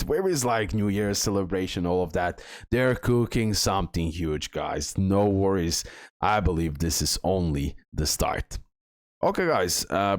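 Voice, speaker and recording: Man, very low voice, casual gaming commentary, lots of filler sounds, dry close sound. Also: no room sound. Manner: talks through on-screen images with frequent "uh" fillers. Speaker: gaming video creator.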